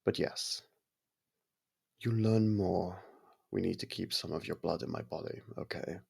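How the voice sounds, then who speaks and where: A man voicing a courteous, possessive vampire lord in an ASMR roleplay, speaking formally with a gravelly, husky voice and a softly commanding manner. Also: deep voice, measured pace, exaggerated voice. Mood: intrigued, possessive. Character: courteous, possessive vampire manor lord softening toward a human.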